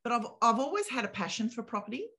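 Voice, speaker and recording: A woman's voice: a little high, sing-song, fast talker, pushed and bright. A woman, a property consultant speaking earnestly and reflectively as an interview guest. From Australia. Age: 50s.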